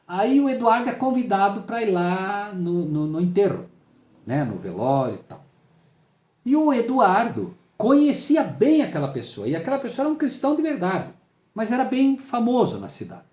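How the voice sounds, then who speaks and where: A man's voice: sits high, huge pitch swings, moderate pace, a little mellow, roomy sound. Emphatic Brazilian man teaching Bible study. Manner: emphatic, asks rhetorical questions and answers them.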